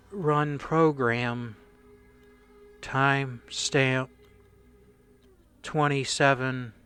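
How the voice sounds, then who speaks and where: A man playing a traumatised, drugged soldier in a radio play, recalling horrors in halting fragments. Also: medium pitch, pushed and bright, smooth. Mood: drugged, confused. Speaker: corporal under interrogation.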